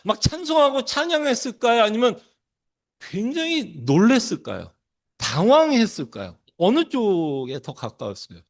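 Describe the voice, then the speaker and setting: A man's voice: high-pitched, wildly swooping pitch, unhurried. A male pastor preaching a sermon, putting many questions to the congregation and acting out the disciples' lines.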